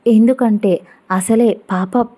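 A woman narrating a love story in an expressive storytelling manner, mixing in English words. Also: on the high side, takes it slowly.

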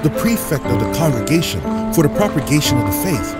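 An actor playing a humble, devout young Black American priest in an audio drama, speaking in an earnest, reverent, halting way. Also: male voice, medium pitch, big pitch swings, over loud music, lightly acted. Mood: reflective, moved.

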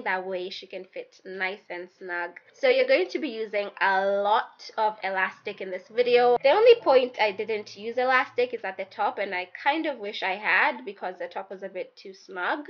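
A young woman with the flu, her voice raspy and hoarse, narrating a sewing tutorial in a chatty, playful way and talking straight to her viewers. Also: mid-range voice. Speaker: DIY fashion YouTuber. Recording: slightly dull audio with soft background music.

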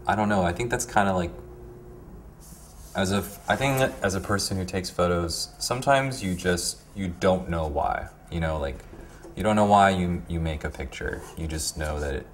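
A very deep male voice speaks slowly and haltingly, pausing often as he thinks aloud. A faint ambient hiss sits under his speech. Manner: hesitant, searching for words. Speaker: photographer. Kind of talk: reflective interview talk.

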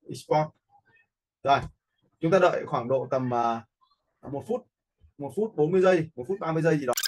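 A man giving a casual screen-share software lesson, often checking in with his learners through short questions. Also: medium pitch, breathy edge. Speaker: instructor in animation software tutorial.

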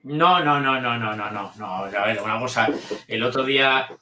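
A man, a guest in a casual interview chat, hesitant and halting. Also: mid-range voice, pushed and bright, echoey room, a little hiss or hum. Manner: hesitant, full of restarts and fillers. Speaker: guest, channel manager.

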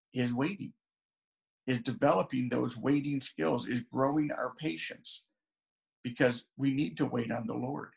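A man's voice: medium pitch, creaky, husky, low-quality recording. A man in his sixties, a pastor, preaching an earnest, conversational sermon from his home sunroom to a camera, often restarting his sentences.

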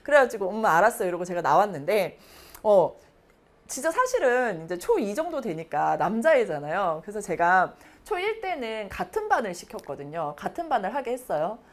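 A woman's voice: medium pitch, wildly swooping pitch, moderate pace. A woman in her thirties, a math teacher lecturing on exam problems, with chatty storytelling asides.

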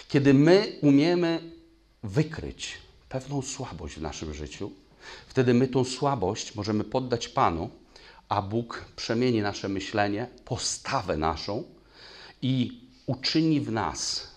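A man preaching a sermon in a church, telling stories with lively sound effects, at times moved to tears. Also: mid-range voice. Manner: animated, acts out gunfire with spoken sounds; emotional, voice breaks. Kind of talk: sermon with storytelling. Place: church hall.

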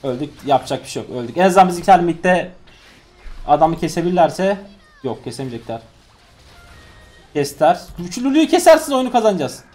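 A young man giving live gameplay commentary, ranting in exasperation and swinging between loud yells and low grumbles. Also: big pitch swings, a little fast, long pauses, soft background music. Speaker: gaming streamer.

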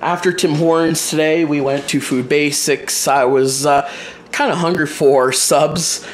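A man's voice: fairly high pitch, steady tone, unhurried, a little hiss or hum. A young man, chatting casually to a close handheld camera at home, rambling with many fillers. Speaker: vlogger. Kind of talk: casual vlog chat to camera. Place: small home kitchen and living room indoors. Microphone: wide-angle camera held close.

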